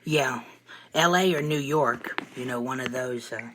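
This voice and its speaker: A man's voice: medium pitch, unhurried, fairly bright tone, a little hiss or hum, rough recording. A nineteen-year-old man hosting an interview, easygoing and agreeable. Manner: easygoing, agreeable, many fillers and short acknowledgments. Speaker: interviewer, host. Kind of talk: casual interview.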